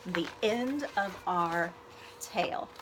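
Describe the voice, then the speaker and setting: A woman librarian reading a children's storybook aloud, with expressive, deliberate phrasing for young listeners. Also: on the low side, noisy background.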